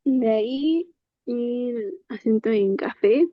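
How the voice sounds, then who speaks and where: A woman's voice: on the high side, slow, dry recording, dull audio. A woman student answering questions in an online lesson, hesitant and thinking aloud with little hums.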